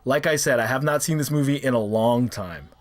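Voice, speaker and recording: A man's voice: mid-range voice, brisk. A man hosting a casual movie review vlog, talking enthusiastically and rambling a little. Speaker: host.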